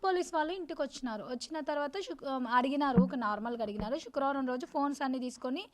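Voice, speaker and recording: A woman, giving an urgent news interview as the victim's elder sister. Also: sits high. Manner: agitated, rapid and insistent; urgent, grieving recounting.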